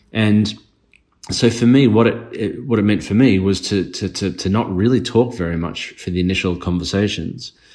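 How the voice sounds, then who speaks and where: The speaker goes at a fairly slow pace with an Australian accent. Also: man. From Australia, Melbourne. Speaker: cinematographer. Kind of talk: interview. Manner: repetitive stammering starts.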